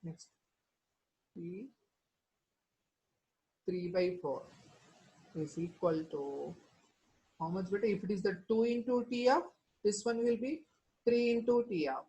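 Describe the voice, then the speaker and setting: A woman teacher speaks with a South Asian accent at a middling pitch. She explains material step by step in an instructional way, often pausing to prompt her students with short questions and tag words. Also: dark tone, low-quality recording. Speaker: chemistry teacher.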